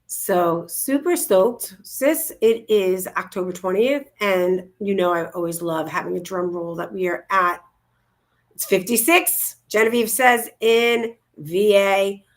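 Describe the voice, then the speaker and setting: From her home in Florida, a woman co-hosts a casual, upbeat livestream talk show over a video call, bubbly and gushing. She speaks slowly in a medium-pitched voice.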